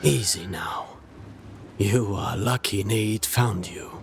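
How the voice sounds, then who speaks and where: Casting: calm game sage, fairly low voice, unhurried and gently protective, noisy ambience behind. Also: male voice, creaky. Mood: soothing. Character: calm, wise male mentor, gently protective. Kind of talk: video game cutscene acting.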